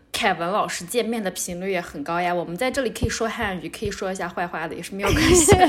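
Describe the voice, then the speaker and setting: A woman's medium-pitched voice at a very fast pace with hardly any pauses, ordinary pitch variation and noticeable background noise. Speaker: mother. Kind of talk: casual chat.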